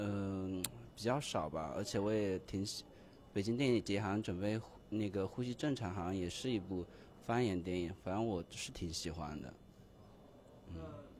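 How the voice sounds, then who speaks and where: A man with a fairly low pitch and ordinary pitch variation speaks at a moderate pace. He leaves long, frequent pauses, and there is light background noise. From Guangxi, China. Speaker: film festival audience member. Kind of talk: vox pop interview. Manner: hesitant, many fillers. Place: hall. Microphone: handheld.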